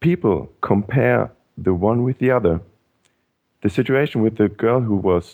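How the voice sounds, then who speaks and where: A man with a German accent has a fairly low-pitched voice with a dark, mellow tone. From Germany. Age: 30s. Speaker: caller. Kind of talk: call-in conversation.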